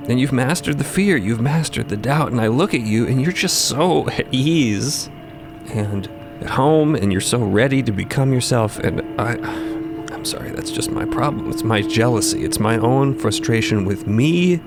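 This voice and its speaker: A man voicing a wounded, earnest trans woman in a fiction podcast, halting and sighing as she confesses her self-doubt. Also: mid-range voice, expressive, creaky. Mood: pained admiration. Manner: halting, sighing, breaking into hushed near-whispers. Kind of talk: emotional dramatic monologue in a narrated fiction podcast. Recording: loud music bed.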